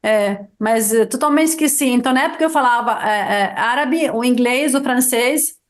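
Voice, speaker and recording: High-voiced Lebanese-born woman, chatty. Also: normal speed. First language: Arabic. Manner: lively storyteller, many restarts and "sabe?" tags. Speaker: guest. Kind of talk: casual interview chat.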